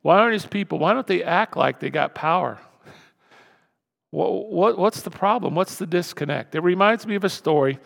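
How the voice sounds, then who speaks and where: Pastor de voz rouca em salão com eco. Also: male voice, sits high, normal speed, vocal fry. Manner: animated, repetitive, swings from loud to hushed. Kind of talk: sermon. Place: church sanctuary. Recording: reverberant church hall.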